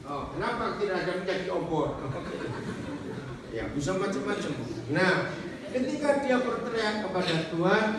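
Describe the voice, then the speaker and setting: Animated high-voiced male preacher, echoey hall. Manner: animated, questions the congregation directly. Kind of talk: sermon. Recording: echoey hall from far off with faint noise.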